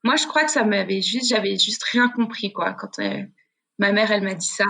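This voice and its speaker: A woman's voice: mid-range voice, normal speed, vocal fry, sharp tone, husky. Chatty slangy woman telling stories. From Switzerland. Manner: chatty, slangy storytelling with many restarts. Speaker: guest, freestyle skier. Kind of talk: casual podcast chat.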